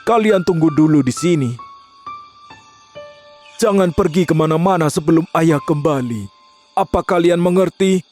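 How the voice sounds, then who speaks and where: A man voicing a poor, kind-hearted woodcutter father in a cartoon, gentle and worried. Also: a little high, normal speed, pauses often, faint music behind, natural voice. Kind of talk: cartoon voice acting.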